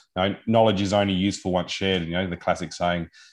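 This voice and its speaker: An enthusiastic tone comes through in an Australian accent. The background is quiet. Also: man. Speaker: podcast host. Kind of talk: interview.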